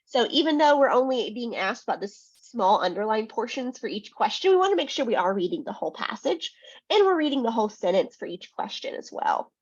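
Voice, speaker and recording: Brief: woman tutor, slightly high voice, a bit husky and sniffly, chatty webinar delivery. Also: very animated, a little fast, no echo. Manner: chatty, frequent "um" and "right?". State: sniffly from a cold. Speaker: test prep tutor. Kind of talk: webinar presentation. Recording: dull lo-fi webinar audio.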